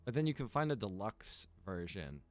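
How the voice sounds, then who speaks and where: During a casual livestream, a game server owner and developer with a low, smooth, resonant voice rambles very animatedly about his server's new features. He lists them one at a time, filling gaps with "uh" and "like," as faint music plays beneath.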